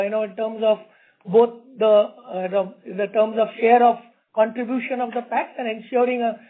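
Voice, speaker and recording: A middle-aged man with an Indian accent, an executive confidently answering questions on an earnings conference call, often repeating words as he explains. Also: very high-pitched. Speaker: company executive. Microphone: conference call line. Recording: tinny narrow phone-line sound.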